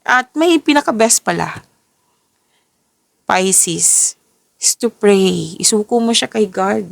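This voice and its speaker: Slow and tired, a Filipina tarot reader gives a casual reading in a blend of English and Tagalog. Her gravelly, mid-range voice still has lively intonation even though it sounds a little off. She often restarts and rephrases herself, and there's no room sound.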